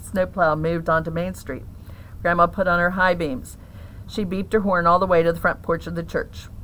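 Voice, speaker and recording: Vocal fry colors the fairly quick speech, with light background noise behind it. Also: woman, fairly low pitch for a woman. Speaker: read-aloud storyteller. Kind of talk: children's picture-book reading aloud, bedtime story telling. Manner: animated, expressive, varied character voices and sound effects. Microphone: phone near.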